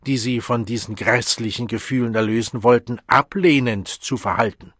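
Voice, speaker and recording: A man's voice: mid-range voice, normal speed, a bit bright, breathy edge, no echo, clean studio sound. A man voicing a cold, lofty male World Controller who lectures students emphatically in an audiobook. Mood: lecturing.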